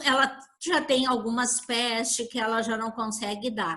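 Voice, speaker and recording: The voice is raised and projected, bright and sharp in tone, and moves at a fairly slow pace. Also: woman. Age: 60s. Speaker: network marketing trainer. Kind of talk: product training talk.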